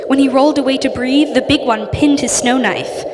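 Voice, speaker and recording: High-voiced teenage girl narrating. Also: moderate pace. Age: teens. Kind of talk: scripted dramatic storytelling for a live radio play. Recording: very noisy live theatre recording.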